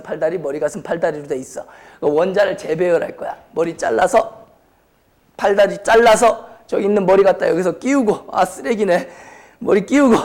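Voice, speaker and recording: Guy teaching science, pretty high voice, throat sounds strained, blunt casual talk, keeps quizzing the class. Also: darkish tone. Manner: question-and-answer delivery, repeatedly prompting students; blunt, informal speech to students. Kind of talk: high school chemistry lecture.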